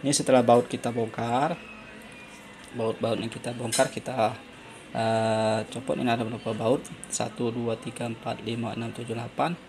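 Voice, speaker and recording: Guy doing a repair tutorial, pretty monotone and halting, noticeable background noise. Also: medium pitch. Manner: halting, pausing often mid-explanation. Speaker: phone repair tutorial host. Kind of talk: informal hands-on tutorial narration. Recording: clearly noisy amateur recording.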